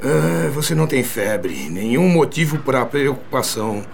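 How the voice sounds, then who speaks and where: An actor playing a calm, kindly elderly pharmacist in a radio drama, with a Brazilian accent and a gentle, hesitant, fatherly way of speaking. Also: medium pitch, normal speed, vocal fry, slight background noise. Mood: soothing, caring.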